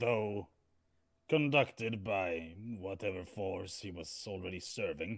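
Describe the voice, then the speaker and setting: A man puts on a raspy character voice at a fairly low pitch. He speaks at a fairly slow pace. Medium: actual play. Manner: musing, dry.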